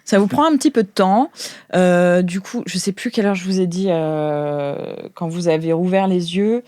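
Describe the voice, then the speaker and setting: A woman's voice: fairly low pitch, moderate pace, dark tone, no room sound. Woman improvising as game master, dry studio sound. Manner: hesitant, informal, thinking aloud. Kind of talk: improvised narration of a tabletop role-playing game. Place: recording studio. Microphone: studio microphone.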